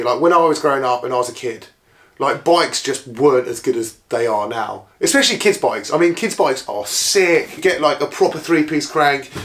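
A hoarse man in his thirties chatting casually to camera about bikes in a small living room. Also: fairly high pitch, fairly bright tone, a little hiss or hum. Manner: chatty, upbeat, full of filler "like"s. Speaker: bike vlogger. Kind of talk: casual vlog chat to camera. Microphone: camera close up.

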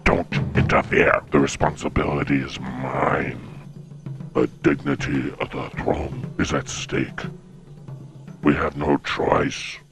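An old samurai lord with an extremely low, gravel-laden voice. He is stern and imperious, giving every phrase slow weight. Music plays prominently behind him in this animated samurai drama. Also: heavily acted. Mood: grim resolve. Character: stern, commanding old samurai clan master.

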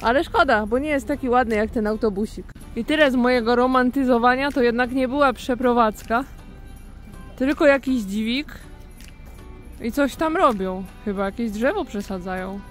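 A Polish woman in her thirties chats casually and playfully into a phone held at arm's length as she walks through snowy city streets under an umbrella. Her vlog talk is chatty and self-ironic, in a voice that's a little high at a normal speed. Faint music plays behind, along with faint street noise and passing cars.

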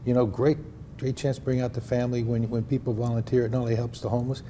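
A man's voice: medium pitch, level tone, quick pace, noisy background. An older man, a pastor at a homeless mission, talking earnestly in a live TV news studio interview with a Midwestern American accent, often repeating words as he restarts.

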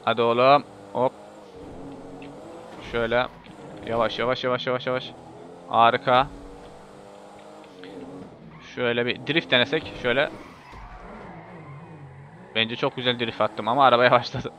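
Excitable man calling his own racing game, loose and foul-mouthed; bright, pushed tone on a dull home mic. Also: mid-range voice, normal speed, long pauses. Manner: excitable, swears and shouts at the game. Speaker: gameplay video host. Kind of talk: live gameplay commentary. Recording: muffled lo-fi mic with faint hiss.

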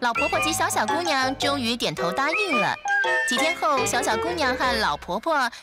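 Children's fairy-tale narrator: woman, high and very lively, expressive delivery over prominent music. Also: moderate pace. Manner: expressive, clearly told. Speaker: storyteller narrator.

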